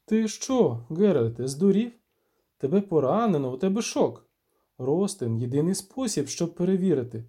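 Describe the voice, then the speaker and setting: A man's voice: fairly high pitch, very animated, moderate pace, dark tone, husky. Man doing a fussy old wizard. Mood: agitated.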